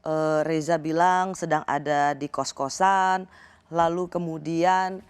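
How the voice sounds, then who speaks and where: A woman's voice: sits low, steady tone, slow, smooth. A woman hosting a TV interview, asking short, probing follow-up questions. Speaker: talk show host.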